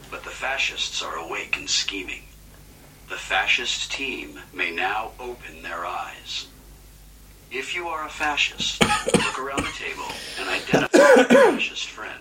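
A man narrating a game in a spooky, dramatic scripted style, hushed and often dropping to a whisper, heard from a distance. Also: lowish voice. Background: clear background noise.

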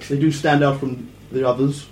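A man improvising a boastful tall tale in character, rambling and halting as he goes. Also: mid-range voice, flat delivery, a little mellow. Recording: echoey room with faint noise.

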